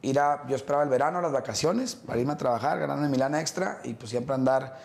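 A middle-aged man, telling stories as an interview guest in a relaxed, rambling way with many fillers and restarts. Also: medium pitch, quick pace, creaky, echoey room. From Mexico. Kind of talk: casual interview conversation.

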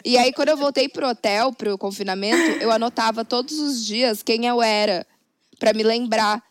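A woman's voice: on the high side, moderate pace, no room sound, studio quality. A woman co-hosting a podcast in casual chat, telling stories in a playful, joking way. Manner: playful, jokey storyteller. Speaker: podcast co-host.

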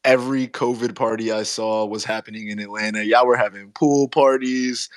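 A young American man hosts a podcast in a laid-back, slangy way, his voice on the low side. The sound is dry and close, with no room echo. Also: fairly even intonation, normal speed. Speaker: podcast host. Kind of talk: casual remote interview.

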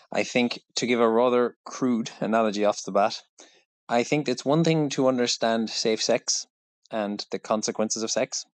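An Irish fitness coach, guesting on a podcast, answers interview questions thoughtfully with frequent restarts and asides. His voice sits on the low side, and there's no room sound.

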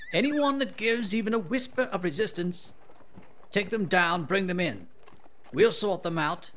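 Commanding officer, played by a man for tabletop drama: stern, resigned, authoritative, slightly high voice, unhurried delivery. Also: fairly bright tone, slight background noise, full character voice. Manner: measured, authoritative. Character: stern, resigned male commanding officer in an old mining town. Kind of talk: improvised tabletop role-play drama.

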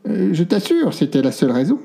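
A fretful old grandmother guarding a secret, her voice lifted a little higher and thinner than the reader's own, as a man puts her on for a storybook. She talks softly and hesitantly, dodging questions. The tone underneath stays dark and mellow. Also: very animated, a little fast, vocal fry. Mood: evasive. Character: worried older grandmother, secretive and evasive.

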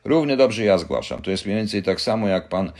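A man's voice: fairly low pitch, lively intonation, a little fast, darkish tone. An older man hosting a casual live chat, rambling and joking as he answers viewers' questions. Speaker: livestream host answering viewers.

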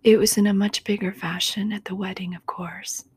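A woman host softly whispering a slow, soothing Christian sleep meditation into a condenser microphone. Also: mid-range voice, little pitch movement, slightly rough, dry recording. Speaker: podcast host. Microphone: USB condenser microphone.

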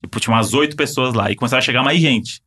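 A man with a Brazilian accent telling a story in casual chat, animated and full of fillers. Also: mid-range voice, very fast, breathy edge. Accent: Brazilian Portuguese.

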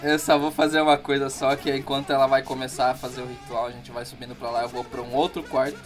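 A man's voice: medium pitch, flat delivery, fast, faint music behind. A man playing a tabletop roleplay game, casually describing what his character does. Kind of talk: casual in-game action narration.

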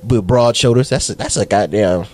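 A man's voice: fairly low pitch, moderate pace, darkish tone. A young man co-hosting a podcast, telling rambling, profane stories in a casual chat. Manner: rambling, profane storytelling with laughs. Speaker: podcast co-host.

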